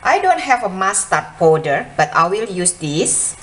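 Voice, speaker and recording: A woman with an Asian accent giving a home cooking tutorial in simple, halting English. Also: medium pitch, very animated, noisy background. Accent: Asian non-native English. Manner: slow, simple non-native English with pauses. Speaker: home cook. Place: home kitchen. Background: dishes, cutlery and stirring sounds.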